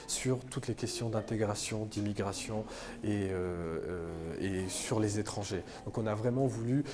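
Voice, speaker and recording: A man's voice: on the low side, a little slow, crowd noise. A man being interviewed about his documentary, talking hesitantly with many fillers. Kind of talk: interview answers.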